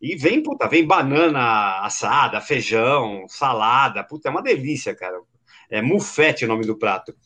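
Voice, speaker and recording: Lively chatty man from Brazil. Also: mid-range voice, moderate pace. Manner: rambling, lots of fillers and slang. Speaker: podcast host. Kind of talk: casual podcast chat.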